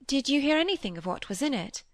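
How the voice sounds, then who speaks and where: A woman's voice: high voice, big pitch swings, fast, no echo, clean studio sound, pitched above the performer's own voice. A woman reading aloud and voicing a timid, earnest young woman who speaks hesitantly and anxiously. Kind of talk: audiobook character voice.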